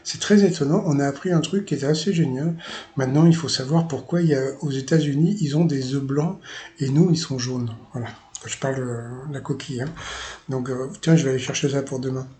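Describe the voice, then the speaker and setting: Brisk and mellow, with a mid-range voice, a man from Paris, France runs his own channel and casually goes over a TV quiz show. He rambles along conversationally, dropping filler words and amused asides.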